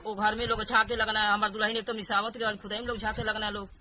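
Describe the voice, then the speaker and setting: A village woman with a Bhojpuri accent giving an unscripted eyewitness account, recorded quietly from a distance. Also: mid-range voice, little pitch movement, quick pace, a crowd in the background. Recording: distant, quiet voice in busy surroundings.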